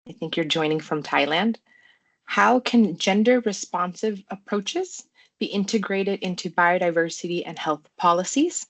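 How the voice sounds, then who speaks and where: A woman's voice: fairly low pitch, animated, moderate pace, vocal fry. A woman moderating a webinar, formally introducing a panelist and putting questions.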